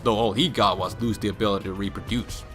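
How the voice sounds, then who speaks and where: Male comic recapper: drunk, sweary, rambling, low-pitched and forceful, music underneath. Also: fairly even intonation, quick pace. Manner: drunk, rambling, profane, with emphatic outbursts. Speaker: video game storyline explainer. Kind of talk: casual comedic story recap. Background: background music.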